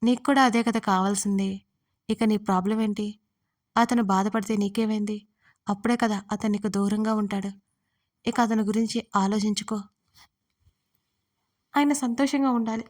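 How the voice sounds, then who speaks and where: A woman's voice: mid-range voice, steady tone, normal speed, pauses often, a little mellow, distant mic, natural voice. A woman voicing a firm, protective young female friend in an audio story, scolding and direct.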